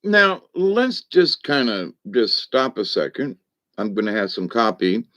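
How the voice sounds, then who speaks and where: A man's voice: medium pitch, sing-song, a little slow, fairly bright tone. A man hosting a livestream as a shaman, talking in a folksy, meandering way with many asides to his viewers. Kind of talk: rambling spiritual talk to viewers.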